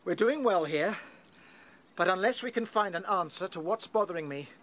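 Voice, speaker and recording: An actor with a British accent playing an earnest, thoughtful young rabbit leader in a radio play. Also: male voice, high voice, animated, moderate pace, a bit bright. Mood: urgent, grave. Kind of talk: radio drama acting.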